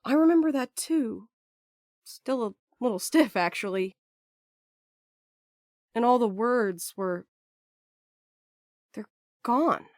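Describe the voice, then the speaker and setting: A woman's voice: a little high, slow pace, long pauses, darkish tone, no room sound, studio quality. A woman playing a blunt, impatient night courier in an audio drama, naturalistic and wry. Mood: exasperated, uneasy.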